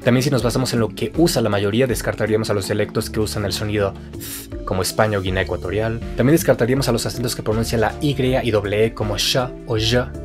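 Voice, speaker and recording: Mexican male explainer, quick delivery, guitar bed. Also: fairly low pitch, steady tone. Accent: Mexican Spanish. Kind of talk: explanatory video narration. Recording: clip played with guitar music behind. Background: guitar music.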